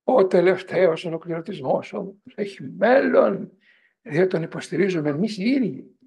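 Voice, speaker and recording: A middle-aged priest and professor lecturing a parents' group in a digressive style, often asking the audience whether they agree. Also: male voice, high-pitched, creaky, breathy edge. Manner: animated, digressive storytelling.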